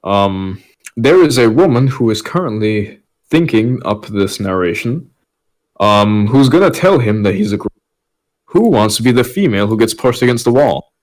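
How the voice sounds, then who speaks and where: A man's voice: lowish voice, big pitch swings, normal speed, a little mellow, low-quality recording. A man bantering casually as a podcast host, wry and wordy in a teasing way.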